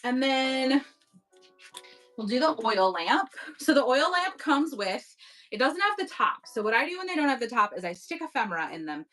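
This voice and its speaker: A woman's voice: sits high, big pitch swings, normal speed, a bit bright, soft background music, low-quality recording. A woman hosting a casual live online auction from home, chatty and upbeat, thanking bidders as she goes. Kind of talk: casual live-selling chat. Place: home at night.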